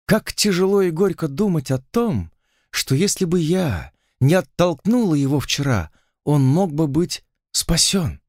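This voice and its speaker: A man's voice: a little high, animated, unhurried, no room sound, studio quality, voice pushed up. A man voicing a young plantation owner's daughter, speaking in a theatrical, pleading and melodramatic way. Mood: lamenting.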